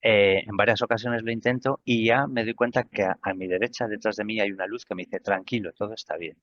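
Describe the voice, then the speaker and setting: A man's voice: on the low side, steady tone, brisk, a bit bright, dry recording, dull audio. A middle-aged man with a Spain Spanish accent, retelling a personal experience as an interview guest and acting out the remembered dialogue.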